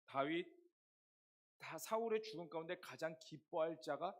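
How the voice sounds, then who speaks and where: A hoarse young man preaching a sermon to a youth group, telling stories and asking the congregation rhetorical questions. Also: fairly high pitch, expressive, moderate pace. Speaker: youth pastor.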